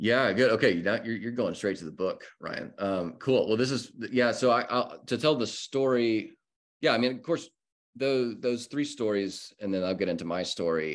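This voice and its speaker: A man with a plain, everyday voice speaks in an American accent at a moderate pace. His pitch sits at a medium level with ordinary variation. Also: quiet background. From South Texas. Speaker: theology lecturer. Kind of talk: interview conversation.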